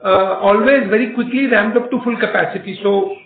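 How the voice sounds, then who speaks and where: This is a man with a raised, gravelly voice and an Indian English accent. He answers investor questions on an earnings call in a measured way, with frequent pauses. His voice sounds echoey and comes through a thin phone line. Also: high voice. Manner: measured, explains with many pauses and fillers. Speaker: company executive. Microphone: conference call phone line.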